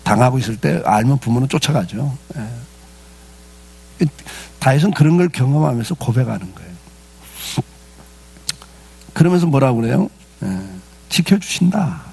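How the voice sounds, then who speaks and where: A man's voice: medium pitch, expressive, moderate pace, vocal fry, pauses often, darkish tone, breathy edge. A man preaching a sermon as a pastor, in a conversational style full of rhetorical questions and frequent affirming asides.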